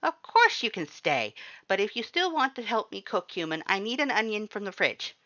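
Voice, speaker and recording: A woman plays an excitable, vain skeleton man from a fan-made storybook, pitched well up from her own voice. He is bossy yet kind and declaims everything loudly and theatrically. The audio is a little dull. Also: moderate pace. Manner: loud, emphatic, theatrical exclamations.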